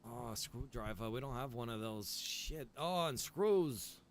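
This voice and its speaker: Laid back guy streaming a survival game, slow talker, jokey casual chat, mid pitch. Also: expressive, a little hiss or hum. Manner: laid-back, joking, laughs often. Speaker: live streamer playing a survival roleplay game. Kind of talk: casual gaming livestream chat.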